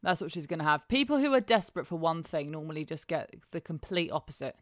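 A woman from England co-hosting a casual chat, talking freely and trailing off softly at the ends of remarks. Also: sits low, lively intonation, fast talker, no echo, studio quality. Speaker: podcast co-host.

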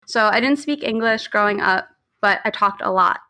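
She's a guest in an interview, a woman in her 30s from Long Island, New York, casually telling stories. Spanish is her native language, but she has an American accent. Her mid-range voice moves at a moderate pace with a sharp tone.

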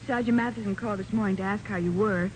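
A loyal, attentive detective's assistant played by a woman in a vintage radio crime play. She questions with concern in a mid-range voice, under clearly audible recording noise. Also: mid-range voice, steady tone, fast, a little mellow, natural voice. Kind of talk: 1940s radio drama acting. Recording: noisy 1940s radio recording.

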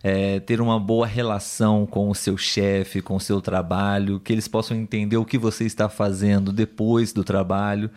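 A man with a Brazilian accent talking as the host of a language-learning live show, conversational and instructive, pausing to find words and often checking for agreement. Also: on the low side, little pitch movement, darkish tone. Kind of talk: conversational teaching, reading viewer comments.

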